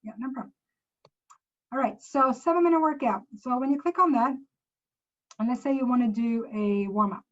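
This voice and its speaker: A woman's voice: a little high, moderate pace, pauses often, dull audio. A woman from Sweden with a Swedish accent, casually walking viewers through apps on a shared screen, chatty and loose, correcting herself as she goes. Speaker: presenter.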